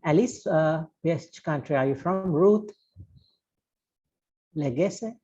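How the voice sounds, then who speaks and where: A woman's voice: sits low, takes it slowly, warm tone, breathy edge. A woman facilitating an online training, patiently calling out participants' names and sorting them into groups over a video call. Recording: muffled video call audio.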